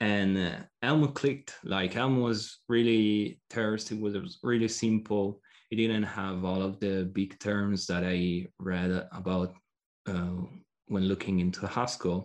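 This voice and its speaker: Fairly slow, fairly even speech from a man with a fairly low voice. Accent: Italian. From Italy, near Milan. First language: Italian. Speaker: software engineering consultant and author. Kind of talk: interview.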